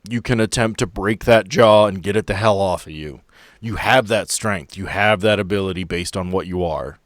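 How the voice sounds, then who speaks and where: A man's voice: sits low, normal speed, dry recording, studio quality. A man working as game master, narrating the action and addressing players directly in a conversational way. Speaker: game master of a tabletop role-playing podcast.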